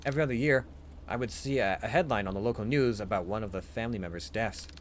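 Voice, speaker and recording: A man's voice: lowish voice, fast, slight background noise, lightly acted. A man voicing a talkative, teasing male sidekick to a detective in a visual novel, in a conversational way. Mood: grave, confiding.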